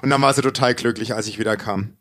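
A man co-hosting a podcast, casually telling an anecdote in a crude, animated, self-mocking way. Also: on the low side, fast talker, no room sound, studio quality. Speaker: podcast co-host.

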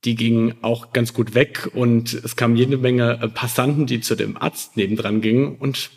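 A man in his thirties talks as a guest on a podcast. His voice sits at an average pitch, and he tells personal stories in a casual, conversational way. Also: steady tone, moderate pace, gravelly, darkish tone. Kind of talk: casual chat, telling childhood anecdotes.

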